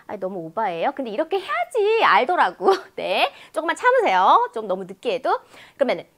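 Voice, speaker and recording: Bright-voiced, lively woman teacher. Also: fairly high pitch, brisk. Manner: animated, demonstrative, exaggerates sounds for students. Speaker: English listening teacher. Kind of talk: online exam-prep lecture.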